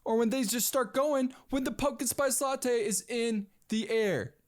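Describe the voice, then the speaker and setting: A man's voice: extremely high pitch, measured pace. A man in his twenties hosting a casual solo podcast, rambling and calling everyone "dude". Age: 20s. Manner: rambling, animated, says "dude" a lot. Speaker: podcast host.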